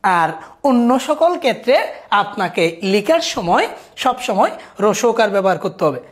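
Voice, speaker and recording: A woman's voice: mid-range voice, very animated, normal speed. Patient woman teaching spelling. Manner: patient, repetitive explaining, prompts to look closely. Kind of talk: recorded spelling lesson.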